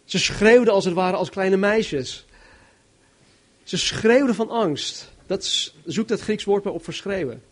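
A man preaching a sermon, reading Bible verses and explaining them in an animated, emphatic way, swinging between loud and soft. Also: high voice, normal speed, few pauses. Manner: animated, emphatic, varies loudness widely.

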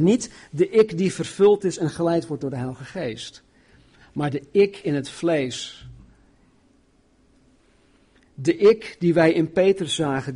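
A man's voice: fairly high pitch, darkish tone, husky. A man preaching a sermon as pastor, in a conversational way, often repeating himself and asking the congregation questions.

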